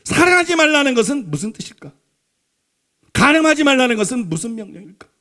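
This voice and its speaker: Very high-voiced male pastor preaching. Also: sing-song, quick pace, bright, forceful tone. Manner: emphatic, repeats points and asks the congregation rhetorical questions. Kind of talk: Sunday sermon. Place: church sanctuary.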